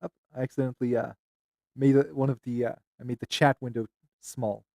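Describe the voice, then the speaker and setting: A man's voice: mid-range voice, flat delivery, brisk, vocal fry, mellow, no echo, clean studio sound. A man hosting a casual stream chat, often distracted and muttering to himself while he fixes his screen. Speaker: streamer host.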